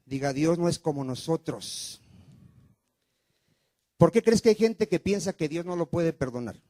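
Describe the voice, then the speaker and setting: Warm-voiced pastor preaching. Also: male voice, fairly high pitch, expressive, unhurried, no room sound. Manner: fires rhetorical questions at the congregation, call and response. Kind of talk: sermon. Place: church.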